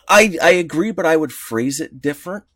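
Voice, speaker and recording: A man co-hosting a podcast in casual chat, opinionated and animated, swearing freely. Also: fairly high pitch, brisk, no echo, studio quality. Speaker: podcast co-host.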